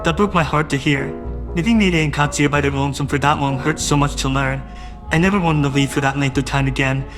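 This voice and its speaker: A man's voice: a little high, fairly even intonation, fairly quick, over music. Man narrating a first-person drama.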